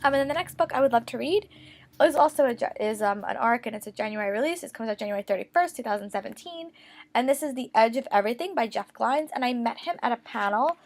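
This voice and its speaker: A woman's voice: a little high, lively intonation, quick pace, slight background noise. A young woman with a slight cold and a stuffy voice, chatting casually and upbeat about her reading plans, with lots of fillers. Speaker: book vlogger. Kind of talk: casual chat to camera.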